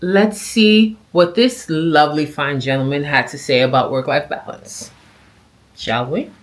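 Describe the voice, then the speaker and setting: A middle-aged woman talks straight to her viewers in a casual vlog. She comments on clips in an animated way and acts out the people in her stories. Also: sits low, measured pace. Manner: animated storytelling with acted quotes. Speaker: vlogger.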